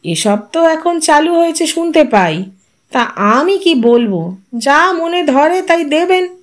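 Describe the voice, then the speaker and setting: A woman's voice: sits high, very animated, takes it slowly, voice pushed up, heavily acted. Woman voicing an evasive elderly priest.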